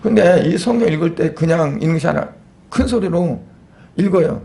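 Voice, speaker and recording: A man, a pastor, preaching a Sunday sermon in a conversational way, asking rhetorical questions and pausing on fillers. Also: fairly high pitch, lively intonation, vocal fry, warm tone.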